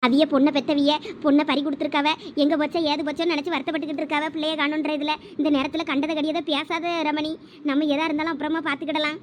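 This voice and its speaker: High-pitched, rapid-talking woman. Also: level tone, slight background noise. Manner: pleading, emotional family-quarrel delivery. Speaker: skit performer voicing several village women. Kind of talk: village family comedy skit acting.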